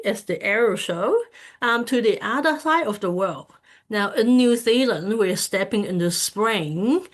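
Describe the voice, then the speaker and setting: Woman from Hong Kong presenting to an online community, halting and filler-heavy, on a computer mic. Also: mid-range voice. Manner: hesitant, many fillers and restarts. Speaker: speaker at an online community event. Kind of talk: casual presentation talk.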